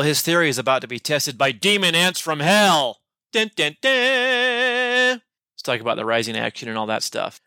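Male teaching-podcast host, playful asides, bright forward tone. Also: mid-range voice, no echo, studio quality. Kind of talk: podcast lesson summary.

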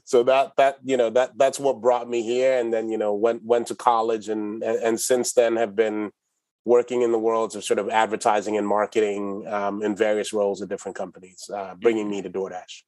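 A man's voice: on the low side, fairly quick, no echo. Man telling stories in a dry room. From Ghana. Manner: relaxed storyteller, many restarts and laughs. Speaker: guest, company executive. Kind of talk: casual interview talk.

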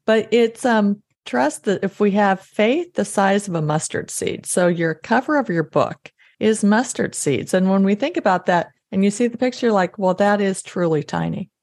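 A woman's voice: medium pitch, moderate pace, hardly any pauses, darkish tone, no room sound, studio quality. A woman hosting a faith podcast, speaking, affirming and eager, often speeding up in bursts. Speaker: podcast host. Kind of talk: casual faith interview.

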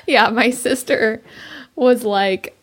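A young woman with a mid-range voice chats easily on a podcast. She tells anecdotes in a loose conversational flow and often pauses on "like" and "you know.". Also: on the high side, wildly swooping pitch, fairly bright tone, breathy edge. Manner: conversational, storytelling, frequent fillers. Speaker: podcast co-host. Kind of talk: casual chat.

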